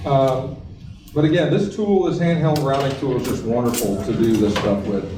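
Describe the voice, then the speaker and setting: A man's fast-ish delivery at a fairly quick pace with very wide pitch swings and a Southern US accent, amid audible room echo and noticeable background noise. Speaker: miniature village craft demonstrator. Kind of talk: live craft tutorial. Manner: casual, conversational.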